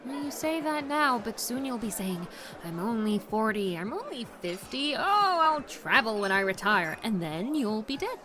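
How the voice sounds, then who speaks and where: An actress playing an outgoing vlogger and doting, nagging friend, a young adult with an expressive, teasing manner in a naturalistic audio drama. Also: female voice, fairly high pitch, normal speed, crowd noise.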